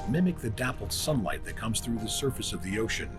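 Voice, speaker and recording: A man giving scripted nature documentary narration in a measured, dramatic way, with grand descriptive phrasing. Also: fairly low pitch, sing-song. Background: music behind the voice.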